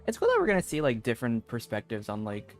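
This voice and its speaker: Casual male game streamer, medium pitch. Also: wildly swooping pitch, fast talker, faint music behind. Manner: musing, informal. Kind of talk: casual live gameplay commentary.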